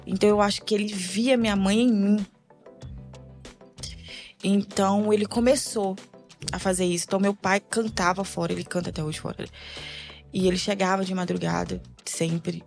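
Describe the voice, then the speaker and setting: A Brazilian woman speaks in a halting, quiet and emotional way as she gives a personal testimony on a podcast. Her voice sits at an ordinary middle pitch for a woman. Faint music plays underneath. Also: steady tone, vocal fry. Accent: Brazilian Portuguese. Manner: halting, soft-spoken, emotional storytelling. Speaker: podcast guest.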